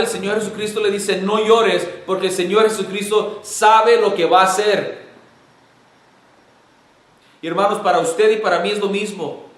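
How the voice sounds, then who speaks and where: A man preaching a sermon as pastor, earnest and emotional, building to forceful emphasis. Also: sits high, echoey room. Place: church sanctuary.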